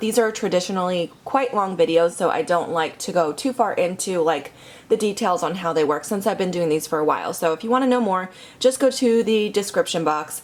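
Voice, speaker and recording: Using a put-on character voice, a woman speaks fairly quickly at a medium pitch, raspy and with lively intonation. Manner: casual, chatty.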